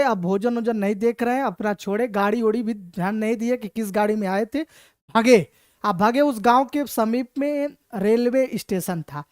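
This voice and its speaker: A woman teacher telling a comic story in a lively, dramatizing way, repeating memory phrases as she explains. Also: on the high side, no echo, studio quality. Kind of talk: storytelling lesson.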